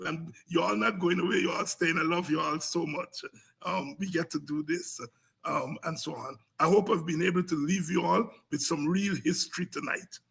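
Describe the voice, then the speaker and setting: A man who hosts a programme gives a passionate, informal history lecture in a Guyanese accent, emphatic and combative with lots of repetition. His raspy, gravelly voice is fairly high, his speed normal and his tone a bit bright.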